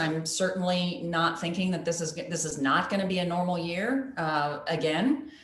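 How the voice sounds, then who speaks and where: Her medium-pitched voice shows ordinary pitch variation as a woman speaks with audible room echo. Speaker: farmers market manager. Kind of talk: presentation to a club meeting. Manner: fast.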